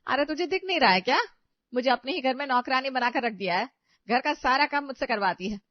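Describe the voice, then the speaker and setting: A woman's voice: high-pitched, a little fast, no echo, natural voice. Woman voicing a flustered, put-upon mother-in-law. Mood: exasperated. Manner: pleading, exasperated scolding. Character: aging, long-suffering mother-in-law, flustered and complaining. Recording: dry, slightly dull audio.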